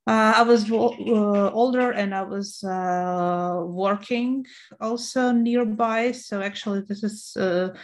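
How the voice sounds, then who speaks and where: A woman in her thirties from Ukraine with a Ukrainian accent, answering interview questions in a halting way, full of "uh" and "um" fillers. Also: mid-range voice. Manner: hesitant, many uh and um fillers. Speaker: interview guest.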